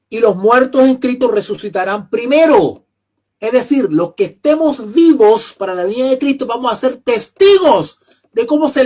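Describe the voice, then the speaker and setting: A Chilean man teaching an online theology lecture, often repeating phrases, clearing his throat and putting questions to his students. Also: high voice. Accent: Chilean Spanish.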